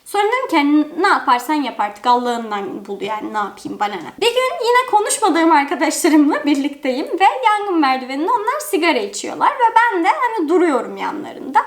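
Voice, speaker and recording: A young woman tells a personal story in a chatty, expressive way, packed with fillers. Her voice is high and swings widely in pitch. A roomy echo of an indoor room surrounds her. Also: fairly quick, few pauses. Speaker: storytime vlogger. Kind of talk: casual storytelling.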